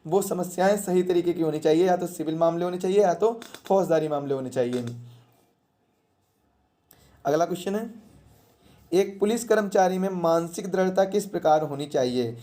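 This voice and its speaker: An exam coach with a mellow, relaxed tone teaches through questions and answers. The delivery is didactic, restating each point and asking rhetorical questions before answering them. The pitch sits in a middle register. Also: normal speed, long pauses.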